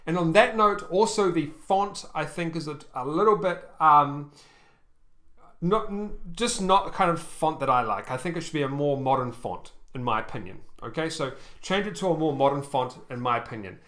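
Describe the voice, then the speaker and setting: A man reviewing an online store over a screen share, casual and halting, with many ums and restarts, often checking in with "okay?". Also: a little high, lively intonation, a bit bright.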